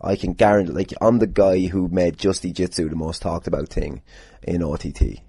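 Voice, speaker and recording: Male podcaster, low-pitched, mellow, casual, rambling, sweary. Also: steady tone, normal speed, gravelly, slightly rough, dry recording. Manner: rambling, sweary, jokingly boastful. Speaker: podcast host and wrestler. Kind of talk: casual solo podcast chat answering listener questions.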